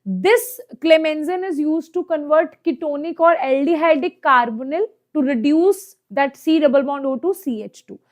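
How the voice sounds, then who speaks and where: A woman's voice: sits high, normal speed, hardly any pauses. A woman with a South Asian accent teaching an exam problem lesson step by step, often checking that students follow with short questions. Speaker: chemistry teacher.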